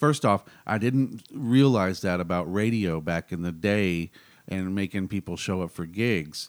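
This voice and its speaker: A man with an American accent speaks at a fairly slow pace. His very deep, low pitch shows ordinary variation. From Texas. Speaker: podcast host, musician. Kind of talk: casual interview. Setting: remote call with guest.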